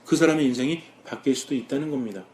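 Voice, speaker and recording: A man's voice: mid-range voice, fast talker. A man, a Catholic priest, preaching a sermon, asking the congregation questions and answering them himself. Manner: lively, rising and dropping with emphasis.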